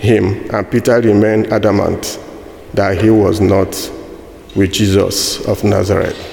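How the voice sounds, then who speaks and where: With a Nigerian accent, a man speaks at a fairly slow pace against noticeable background noise. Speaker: preacher. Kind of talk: sermon. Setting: church.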